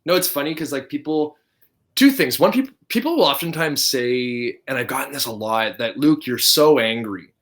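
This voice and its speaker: Guest, man from Canada, mid-pitched voice, earnest, gropes for words. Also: lively intonation, moderate pace, fairly bright tone. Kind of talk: casual video chat.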